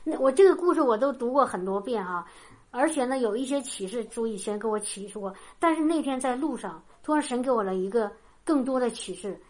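A woman preaching an informal sermon, explaining a Bible passage in a loose, repetitive way and often ending phrases with a soft tag. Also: on the high side, lively intonation, fairly quick. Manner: loose and repetitive, with frequent restarts. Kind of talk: conversational sermon with Bible reading.

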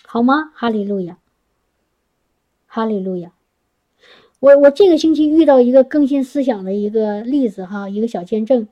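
A woman's voice: fairly high pitch, moderate pace, long pauses, warm tone, lo-fi sound. A woman speaking to a congregation, sharing a personal testimony in an earnest, chatty way with frequent restarts. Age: adult working professional.

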